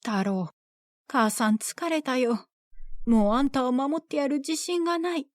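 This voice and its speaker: A woman playing an exhausted village mother at the end of her strength, pleading with her neighbors and close to tears. The voice rides high and strained. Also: a little slow, dry recording. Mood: despairing. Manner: pleading, desperate and tearful. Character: worn-out poor mother pleading for her son.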